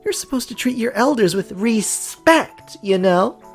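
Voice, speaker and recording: A woman acting an earnest, flustered young newcomer, very animated. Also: on the high side, measured pace, soft background music. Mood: flustered, indignant. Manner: stammering, indignant when teased. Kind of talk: dramatic character voice reading of a story game.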